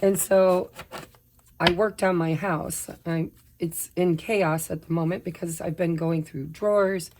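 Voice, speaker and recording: A woman, slightly hoarse while her voice recovers, chatting casually and apologetically through a pick-a-pile tarot reading. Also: lowish voice, darkish tone, a little hiss or hum. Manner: chatty, apologetic, tells personal updates while shuffling. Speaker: tarot reader.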